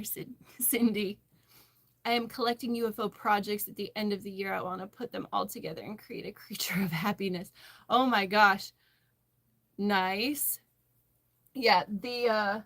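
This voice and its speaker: She is a livestream host and crocheter from western Massachusetts, United States, keeping things casual as she talks and reacts to viewer comments. Her voice is fairly high in pitch with a fairly bright tone.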